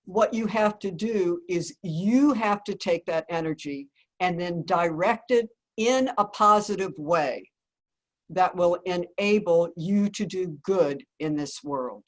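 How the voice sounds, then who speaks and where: A woman's voice: lowish voice, slow pace. A woman voicing a wise, kindly old grandfather who speaks in a patient and instructive way as he recounts his story. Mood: patient teaching.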